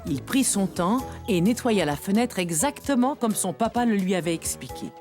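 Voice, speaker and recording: A woman playing a gentle storyteller, narrating a French children's cartoon like a storybook. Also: mid-range voice, lively intonation, normal speed, faint music behind, close to an everyday voice. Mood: storytelling.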